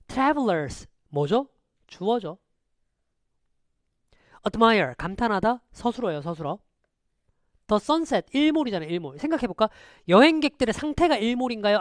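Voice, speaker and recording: Lively man teaching with constant questions. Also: high voice, dry recording, studio quality. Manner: lively, quizzing students with quick rhetorical questions; switches between polite and casual speech. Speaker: English teacher. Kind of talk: online lecture.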